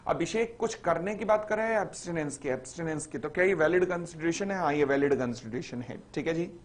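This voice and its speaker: A man teaching a recorded exam-revision lecture, acting out little stories and reading definitions slowly, word by word. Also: fairly high pitch. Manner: lively, acts out little stories in the examples.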